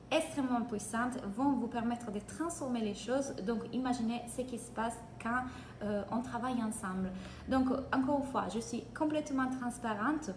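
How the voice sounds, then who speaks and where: Italian-accented woman coach, high bright voice. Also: slight background noise. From Italy. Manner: energetic, greets viewers by name mid-talk. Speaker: business coach. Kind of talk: live-streamed free training. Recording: echoey room, faint ambience.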